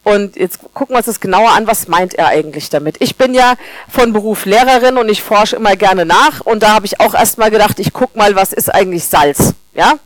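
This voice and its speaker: A woman's voice: medium pitch, brisk, no room sound, poor audio. A woman, a teacher by profession, preaching a sermon in a friendly, conversational way, speaking straight to the congregation.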